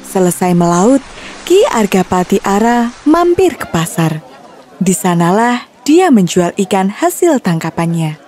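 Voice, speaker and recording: Expressive woman narrating a children's tale. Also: medium pitch, a little slow, faint music behind, a faint crowd. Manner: expressive, storybook-like.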